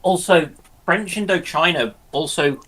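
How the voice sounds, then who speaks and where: A man on a history panel, talking off the cuff in a measured, hesitant way with pauses mid-sentence. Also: fairly high pitch, fairly bright tone. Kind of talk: unscripted history discussion.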